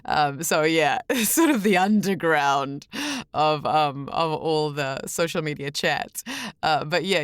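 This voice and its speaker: A woman's voice: fairly low pitch, smooth, dry recording, clean studio sound. A woman voice actor talking casually as an interview guest, chatty and explanatory, often correcting herself mid-sentence.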